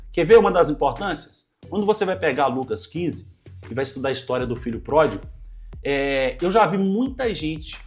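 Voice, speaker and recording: Pastor, slightly high male voice, earnest Bible lesson over soft music. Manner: earnest teaching, addresses listeners as brothers. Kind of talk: Bible study teaching. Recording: light music underneath.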